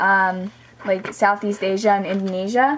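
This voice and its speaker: A woman speaks at a fairly slow pace. There is light background noise. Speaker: vlogger. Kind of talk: casual vlog chat. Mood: excited and grateful. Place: home room. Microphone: phone near.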